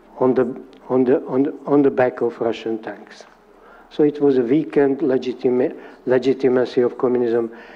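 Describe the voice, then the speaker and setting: A man talks at a moderate pace, his intonation fairly even. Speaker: speaker. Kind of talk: opening speech. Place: stage. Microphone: podium.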